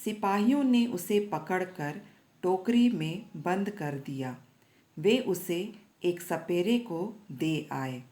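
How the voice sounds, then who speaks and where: Lady teacher doing a slow kids' reading lesson, says every word twice, kinda low voice. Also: lively intonation, darkish tone. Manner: patient, repeats words for children.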